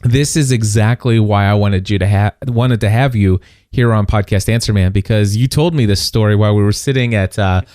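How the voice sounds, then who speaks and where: A man's voice: on the low side, a little fast, darkish tone, dry recording, studio quality. A middle-aged man hosting a podcast, interviewing in a casual, chatty and jovial way.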